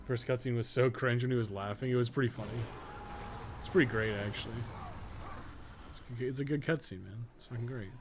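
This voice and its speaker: A man giving casual live game-stream commentary, swearing freely and talking to viewers in a halting, colloquial, thinking-aloud way. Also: medium pitch. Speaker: game streamer and guide maker. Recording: clear background noise and ambience.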